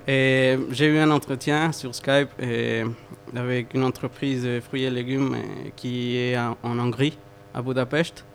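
Halting young man, flat pitch. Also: creaky, a little hiss or hum. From Mexico. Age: 20s. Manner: halting, repeats words while searching. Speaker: student guest. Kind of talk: casual interview answers.

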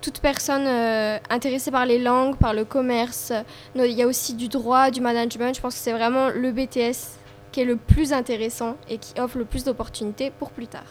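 A woman's voice: a little high, level tone, brisk, slight background noise. A woman talking earnestly about a course of study, with frequent hesitations.

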